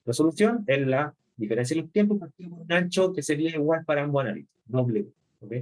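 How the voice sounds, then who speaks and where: A man's voice: on the high side, expressive, fast talker. A male chemistry lecturer, explaining step by step in an online class and often checking in with his students. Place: remote class.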